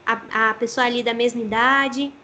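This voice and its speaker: A woman's voice: a little high, steady tone, normal speed, bright, forceful tone, faint music behind. A Brazilian woman who works as a voice actress, explaining her craft thoughtfully in an interview. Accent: Brazilian Portuguese.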